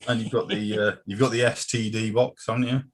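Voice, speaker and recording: A man's voice: fairly low pitch, little pitch movement, a little fast. A man co-hosting a casual hobby chat, hesitant with many ums. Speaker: podcast co-host.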